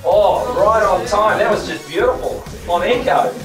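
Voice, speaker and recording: A middle-aged New Zealand man runs a house auction with brisk, wisecracking patter, his voice sitting a touch high. He is picked up from across an echoey, crowded room rather than close to a mic. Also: recorded from a distance, over music. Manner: quick joking banter, rhythmic bid calling. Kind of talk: live property auction patter. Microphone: far camera, no mic.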